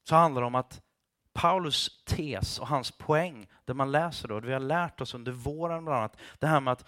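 A man preaching a sermon with passion, at times raising his voice to a near shout and dropping English phrases into his talk. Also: mid-range voice. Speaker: pastor.

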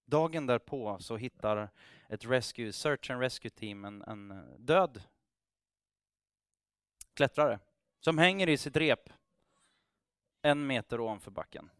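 A man's voice: medium pitch, lively intonation, long pauses, fairly bright tone, clean tone, no room sound, clean studio sound. A man preaching, telling a story in a loose, conversational way with restarts and acted-out dialogue. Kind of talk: sermon storytelling.

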